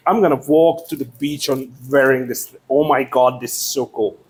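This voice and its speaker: A man's voice: medium pitch, steady tone, moderate pace, breathy edge. A man chatting casually and unscripted as he unboxes a product, with playful, sweary asides.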